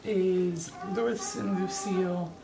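High, creaky-voiced man telling stories. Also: steady tone, takes it slowly, distant mic, rough recording. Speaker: archivist and guide. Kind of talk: enthusiastic storytelling interview. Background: music.

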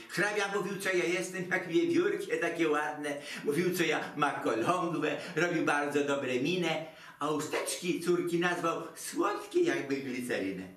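A man's voice: a little high, unhurried, fairly bright tone. An actor playing a fretful, theatrical elderly Jewish mother who speaks Polish with a Yiddish inflection, lamenting in a singsong voice. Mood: wailing. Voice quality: singsong lamenting, broken grammar. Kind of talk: comic stage monologue. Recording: roomy, distant mic.

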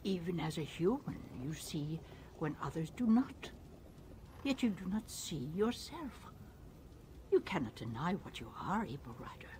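A serene alien tribal mystic in a video game. Her voice is lowish and very unhurried, formal and measured, with faint ambient noise around it. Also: sing-song, a little mellow. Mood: cryptic. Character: calm, mystical female alien tribal wise woman. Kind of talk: video game character acting.

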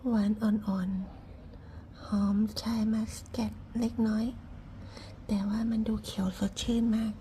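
Casting: woman for hushed, quiet-at-night ASMR eating commentary, soft breathy whisper, dark gentle tone, some background hiss. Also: medium pitch, flat delivery, slow pace. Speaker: ASMR eating show host.

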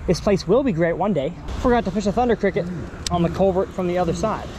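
A man from Texas with a high voice talks fast while fishing at an outdoor pond for his vlog. He's upbeat and chatty, thinking out loud, and the outdoor recording carries faint ambient noise.

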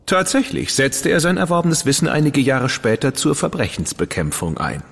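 A flamboyant witty dandy writer. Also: male voice, medium pitch, animated, normal speed, vocal fry, slightly rough, long reverb tail. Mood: amused, flowery. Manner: theatrical, playful, flowery. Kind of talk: German studio radio drama acting.

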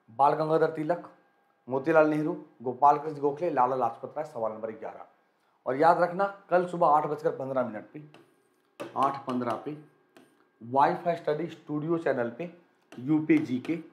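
Energetic male exam-prep teacher, echoey room. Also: a little high. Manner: energetic, repetitive, coaxing students to answer quickly. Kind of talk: live quiz lesson for students.

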